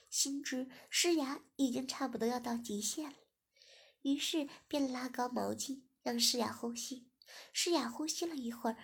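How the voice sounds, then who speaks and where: Woman, story narrator, gravelly voice, husky tone, fairly high pitch, even delivery. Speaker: story reader. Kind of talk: first-person erotic story narration.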